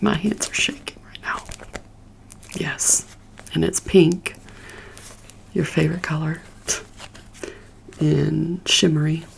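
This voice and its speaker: Over noticeable background noise, a woman talks at a very slow pace, her loudness swinging widely and her speech broken by long, frequent pauses. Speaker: ASMR creator. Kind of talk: ASMR roleplay, casual talk to camera. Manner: soft, chatty, friendly.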